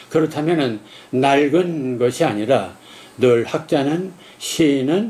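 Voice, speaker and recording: Talking at a very slow pace, a man uses a fairly high pitch. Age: 80s+. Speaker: retired professor and poet lecturing. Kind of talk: lecture. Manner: halting, with many filler sounds.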